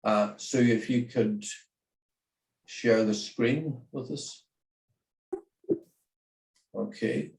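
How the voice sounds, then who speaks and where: A man's voice: fairly low pitch, fairly even intonation, extremely slow, long pauses, darkish tone, echoey room, recorded from a distance, rough recording. A man chairing an online information session as a nursing educator, speaking hesitantly with many fillers.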